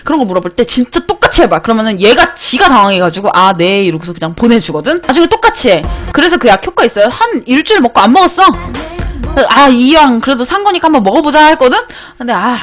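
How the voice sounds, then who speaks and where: A young woman streamer telling a story to her viewers in a casual, animated way, swearing freely and breaking into loud bursts. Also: fairly high pitch, fast talker, few pauses, faint music behind. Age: young adult. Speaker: internet broadcaster.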